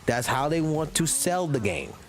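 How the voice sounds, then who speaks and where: A man's voice: a little high, wildly swooping pitch, normal speed. Profane ranting man in his thirties. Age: 30s. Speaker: livestreamer. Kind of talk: casual gaming stream rant.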